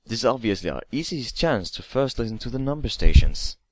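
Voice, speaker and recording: A man's voice: mid-range voice, very animated, brisk, dry recording. A man reading a scripted creepypasta story aloud as narrator, now and then stumbling over and repeating words. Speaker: narrator of online horror stories.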